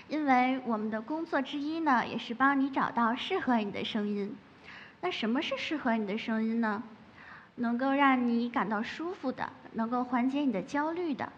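A high-pitched woman gives a lively stage talk about her ASMR work and explains it with playful asides. Her voice rings through a large hall with a long echo. The sound is a little dull, with faint noise underneath. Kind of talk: public talk.

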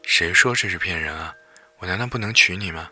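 A man's voice: low voice, fairly quick, sharp tone, breathy edge, soft background music, exaggerated voice. A man voicing an arrogant, impatient young man who bosses people around with rude, mocking talk. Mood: cocky.

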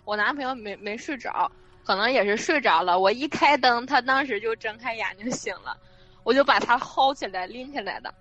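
A woman casually telling a true eerie story over a remote call, in a vivid, animated way with frequent restarts. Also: a little high, brisk, muffled recording, soft background music. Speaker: guest storyteller.

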